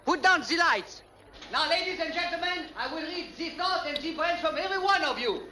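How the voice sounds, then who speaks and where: An actor playing a showy foreign stage magician in broken English, with grand booming patter, in 1930s film acting. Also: male voice, animated, a little fast, pushed and bright, slight background noise, exaggerated voice. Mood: theatrical. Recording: echoey old film soundtrack.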